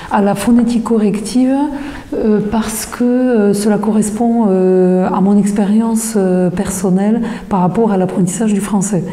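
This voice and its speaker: A woman with a Polish accent at a fairly slow pace, monotone and flat, her loudness very even, with noticeable background noise and audible room echo. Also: medium pitch for a woman. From Poland. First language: Polish (speaking French). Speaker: university lecturer. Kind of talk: interview. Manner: hesitant, many fillers.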